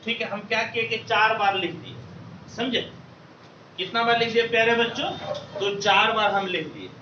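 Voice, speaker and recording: A man's voice: high voice, normal speed, noisy background. A man teaching maths to a class, drilling students with call-and-response questions. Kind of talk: classroom lecture. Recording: echoey classroom, distant lo-fi mic.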